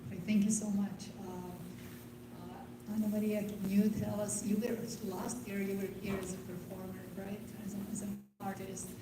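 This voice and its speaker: Even-toned woman moderating in an echoey room. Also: mid-range voice, moderate pace. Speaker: panel moderator. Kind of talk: moderating a panel. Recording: echoey, noisy conference room, distant mic.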